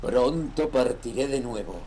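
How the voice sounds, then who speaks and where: An actor playing a greedy, ruthless nineteenth-century sea trader, reading his journal in a measured, solemn and theatrical way for a horror audio drama. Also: medium pitch, mellow, slight background noise, natural voice. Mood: stubborn, defiant.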